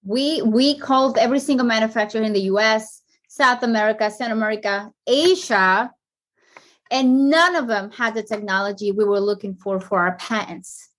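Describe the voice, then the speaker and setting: Colombian woman telling a lively story. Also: fairly high pitch, normal speed. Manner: animated storyteller, acts out phone calls, frequent "like". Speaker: business owner guest. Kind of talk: casual interview storytelling.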